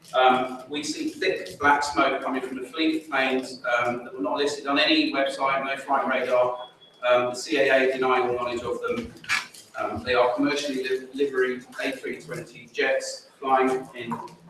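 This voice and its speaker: Noticeable background noise and audible room echo fill the recording. Through them, a man talks at a moderate tempo. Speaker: conference speaker. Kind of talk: conference talk.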